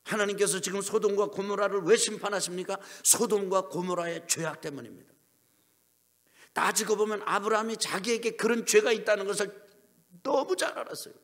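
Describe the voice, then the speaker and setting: A man's voice: high voice, brisk, a bit bright. A middle-aged male pastor preaching a sermon, acting out dialogue and leading the congregation in call-and-response.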